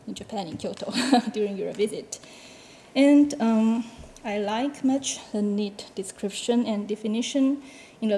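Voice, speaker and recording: A woman's voice: mid-range voice, dark tone, slight background noise, rough recording. A woman whose first language is Chinese, speaking English as a discussant at an academic seminar, hesitant, with frequent fillers and short laughs.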